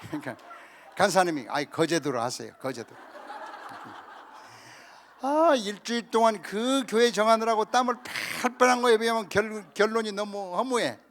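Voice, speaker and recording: A Korean pastor in his fifties preaching a lively, humorous story sermon at a church camp, acting out the people in his story. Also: high-pitched, a little fast, a little hiss or hum. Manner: animated storytelling, acting out quoted voices with laughter.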